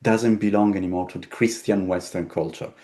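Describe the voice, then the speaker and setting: Low-voiced man searching for his words. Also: steady tone, a little fast, mellow. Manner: searching for words, repeating himself. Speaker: tarot deck creator. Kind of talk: casual interview conversation.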